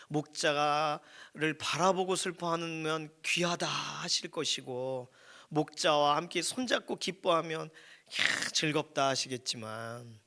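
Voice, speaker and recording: Bright-voiced male pastor preaching. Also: on the high side. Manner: conversational, asks the congregation questions; acts out quoted voices. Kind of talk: sermon. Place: church prayer room.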